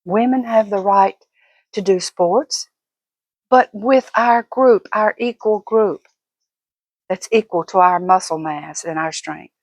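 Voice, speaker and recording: A woman's voice: medium pitch, takes it slowly, a little mellow, dry recording. An older woman vlogger talking casually and giving opinions in an emphatic, folksy, fussing manner.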